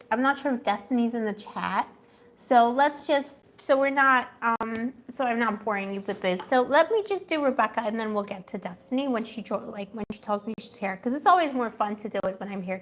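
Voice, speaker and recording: A woman's voice: a little high, brisk, a bit bright. A woman giving a casual livestream tarot reading, chatty and gossipy, laughing often, with a voice she says is going. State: losing her voice. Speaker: tarot reader.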